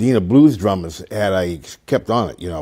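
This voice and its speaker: Speaking at a moderate pace, a man with an American accent has a dark, mellow tone. His pitch makes very wide swings. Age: 60s. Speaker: blues harmonica player. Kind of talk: casual interview. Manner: halting.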